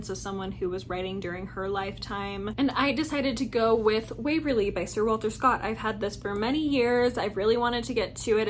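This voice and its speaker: Chatty, slightly croaky woman vlogger. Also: a little high, slight background noise. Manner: chatty and upbeat. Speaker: book vlogger. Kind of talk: casual chat to camera.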